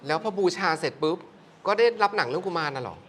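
A woman's voice: sits low, animated, quick pace, fairly bright tone, a little hiss or hum. A middle-aged woman telling a haunted film-set story in casual conversation, acting out quoted voices expressively. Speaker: film producer or director.

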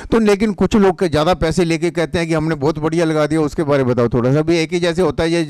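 A man interviewing a local dentist talks quickly, respectfully summing up the guest's points before he asks the next question. His voice is a little high and crisp, recorded dry and close. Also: a little mellow, no room sound. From Punjab, India.

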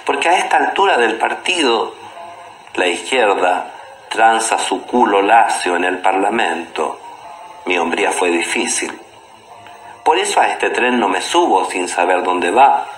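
A Chilean man acting a defiant, proud ageing gay poet, declaiming deliberately in a radio play monologue. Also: deep voice, fairly bright tone, slight background noise. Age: older. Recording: roomy echo with music behind.

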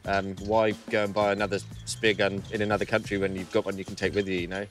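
Easygoing New Zealand man, low voice. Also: flat delivery, fast talker, soft background music. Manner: easygoing, plain-spoken storyteller. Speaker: interviewee. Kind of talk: casual interview. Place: outdoors by a harbour.

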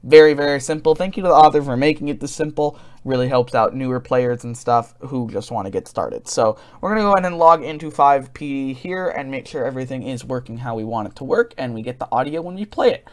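A man giving a casual software tutorial as host, recorded as a voice-over at his computer. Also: medium pitch, fast, few pauses.

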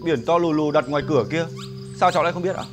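A cheeky young village guy who answers back quickly, played by an actor in a TV drama. His voice is a touch high for a man, and faint music plays under the scene. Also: fairly even intonation, close to an everyday voice. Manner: cheeky, offhand. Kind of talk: TV drama acting.

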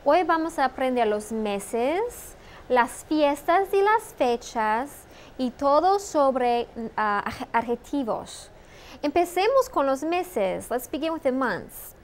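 A woman teaching a bilingual Spanish lesson, drilling words slowly and clearly for students to repeat. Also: high voice, animated, a little hiss or hum. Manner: slow, clearly enunciated drilling with pauses for repetition.

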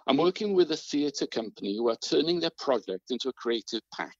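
A man's voice: mid-range voice, lively intonation, brisk, no echo, close to an everyday voice. A man playing an earnest, worried British project worker in a radio drama, polite and hesitant. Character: anxious, earnest male events project worker. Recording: dry, slightly muffled.

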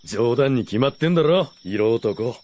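An actor playing a blunt, sarcastic male warrior who taunts in rough speech in a Japanese radio drama. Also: mid-range voice, animated, a little slow, darkish tone. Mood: mocking.

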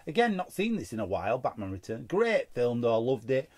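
A man's voice: mid-range voice, sing-song, brisk, a little mellow, husky. A man hosting his own card-opening show, chatting casually and rambling with muttered asides as he looks through cards. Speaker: card-opening channel host. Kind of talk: casual unboxing commentary.

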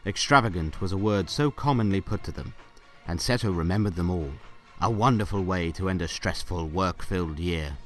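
A man's voice: deep voice, normal speed, fairly bright tone, soft background music. A man narrating a scripted story for an audio drama.

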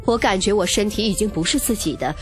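A woman's voice: mid-range voice, quick pace. A woman reading a romance novel as dramatic, scripted first-person narration. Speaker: audiobook narrator. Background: music.

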